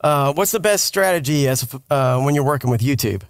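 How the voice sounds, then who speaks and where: A man's voice: medium pitch, expressive, brisk, clean tone, no room sound. A man hosting a podcast, asking informal, rambling questions in casual interview chat. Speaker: podcast host interviewing a guest.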